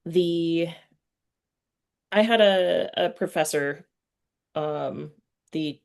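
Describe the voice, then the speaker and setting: A woman's voice: fairly low pitch, drawn-out words, creaky, a little mellow. A woman hosting a casual literary interview, speaking informally and thinking aloud as she forms her questions. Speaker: podcast interviewer and writing teacher.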